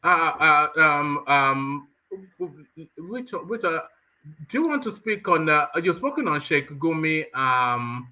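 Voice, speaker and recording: A man hosts a live discussion in a very bright, sharp-edged voice. He halts often and fills gaps with "uh" and "um" as he hands the floor to callers. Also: fairly high pitch, animated, slow. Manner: hesitant, full of "uh" and "um" fillers. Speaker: host. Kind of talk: hosting a live call-in discussion.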